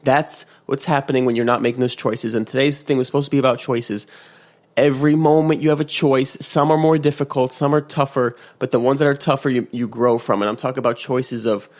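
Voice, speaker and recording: A man hosting a casual motivational podcast, just woken up and congested, rambling with restarts and acting out quotes in a higher voice. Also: fairly even intonation, fairly quick, a little mellow. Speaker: podcast host. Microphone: podcast mic.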